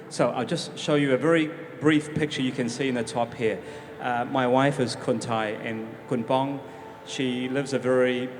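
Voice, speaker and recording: A middle-aged man with a New Zealand accent, introducing himself on a conference panel in a measured way with small restarts. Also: medium pitch. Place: large conference hall. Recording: echoey hall, background noise.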